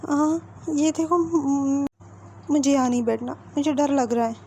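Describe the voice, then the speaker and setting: A woman's voice: high-pitched, fairly even intonation, measured pace, mellow, a little hiss or hum. Woman doing a stammering, frightened young man. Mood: scared, sulky. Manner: stammering, pleading. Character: timid young man, easily frightened, whiny.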